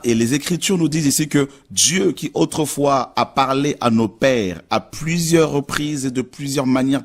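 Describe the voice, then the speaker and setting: A man preaching on a Christian TV show, earnest, repeating phrases with many hesitations. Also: medium pitch. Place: TV studio.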